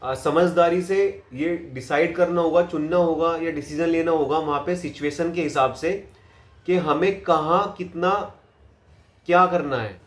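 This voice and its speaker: Male acting coach, slightly high voice, unhurried explanatory delivery, roomy echo. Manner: slow, deliberate, repeats lines with varied pauses and stress. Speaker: acting teacher. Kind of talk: acting lesson.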